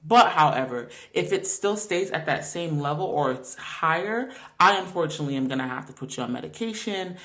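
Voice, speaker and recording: A woman doing a matter-of-fact male doctor who calmly explains things away, in a fairly low voice. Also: brisk. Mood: explaining.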